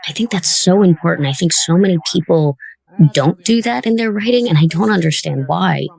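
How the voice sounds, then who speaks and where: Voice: mid-range voice, expressive, brisk, creaky, a little mellow, breathy edge. A podcast host in a casual interview and commentary, talking in a thoughtful, encouraging way as the show's creator.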